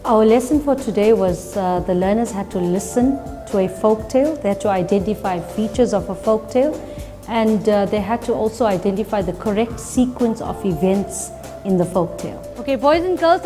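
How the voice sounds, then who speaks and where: A woman teaching a reading lesson to a class, lively and playful. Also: on the high side, moderate pace, over music. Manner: lively, switching to a playful storyteller persona.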